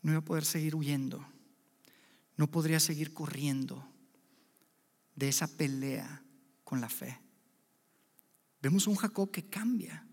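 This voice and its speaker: A man preaching a sermon, speaking to listeners directly as friends, with dramatic swings between loud emphasis and hushed lines. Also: a little high, unhurried, gravelly, pauses often, breathy edge, big-room sound.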